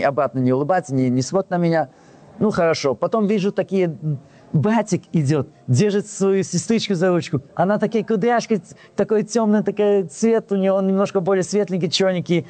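Man retelling a story, slightly high voice. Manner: animated retelling that acts out quoted dialogue; frequent restarts and self-corrections. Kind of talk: casual personal anecdote.

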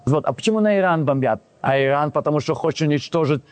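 A storyteller, a man with a fairly high, fast voice and no echo, recounts a casual personal anecdote. He animatedly acts out the quoted dialogue, frequently restarting and correcting himself as he goes.

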